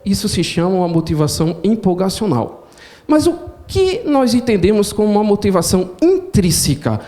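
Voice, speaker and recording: Professor pernambucano animado. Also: male voice, high-pitched, normal speed. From Pernambuco, Brazil. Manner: animated, theatrical storyteller. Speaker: professor and speaker. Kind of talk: storytelling lecture.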